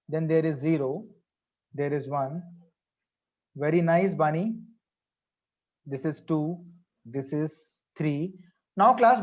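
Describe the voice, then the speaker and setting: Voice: mid-range voice, a little mellow, highs cut off. A teacher with a South Asian accent leading an interactive online maths class, repeating phrases and questions to prompt pupils.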